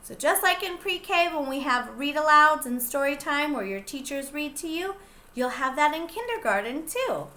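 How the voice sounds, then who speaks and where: A pre-K teacher, a woman, reading a picture book aloud to young children in an expressive, sing-song way. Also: sits high, normal speed.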